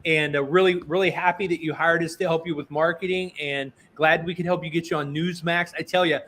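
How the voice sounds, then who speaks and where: A man in his fifties hosts a talk show with a slightly high voice. He is enthusiastic and chatty and rambles from story to story. Faint background noise runs under the recording. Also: fairly even intonation, a little fast, fairly bright tone. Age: 50s. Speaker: host. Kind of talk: casual interview chat.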